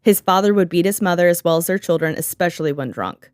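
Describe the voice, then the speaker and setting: A woman hosting a podcast in an easy, sarcastic chat, laughing often and swearing freely. Her voice sits a little low and the sound is dry and close to the mic. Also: fast talker, smooth, no room sound. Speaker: podcast host. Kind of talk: casual chat.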